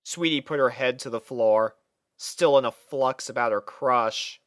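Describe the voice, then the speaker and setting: A woman reading fan fiction aloud as an expressive storyteller, delivering scripted narration. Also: very deep voice, unhurried, dry recording, clean studio sound.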